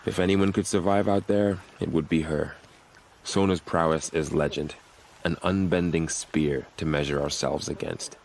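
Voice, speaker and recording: Varl, very deep-voiced solemn tribal warrior. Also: male voice, steady tone, creaky, darkish tone, rough recording. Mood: grave, dutiful. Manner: measured, earnest, grave. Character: dutiful, solemn male tribal warrior guarding a gate. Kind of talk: video game voice acting. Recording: faint music behind the voice.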